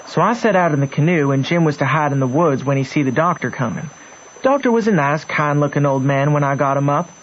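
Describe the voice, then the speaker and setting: A man's voice: fairly high pitch, brisk, muffled recording, slight background noise, lightly acted. A man playing a plainspoken, unschooled Southern boy telling his story in a radio drama. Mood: folksy, wry. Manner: folksy, storytelling.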